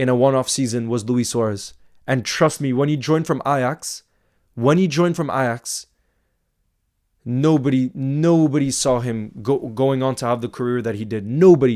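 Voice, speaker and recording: A man with an American accent, medium pitch, ordinary pitch variation and a moderate pace, on a very clean recording with a silent background. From France, with years in the US. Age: 20s. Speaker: football fan channel host. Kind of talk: live stream commentary with chat. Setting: live stream. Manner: animated.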